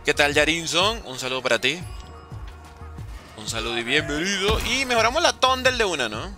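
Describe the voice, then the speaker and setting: A man streams a game and jokes with his chat in a high, bouncy voice that leaps up and down as he talks. His tone is playful and teasing, and music plays clearly behind him. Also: animated, normal speed. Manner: joking, teasing chat with slang. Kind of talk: casual live-stream chat while gaming.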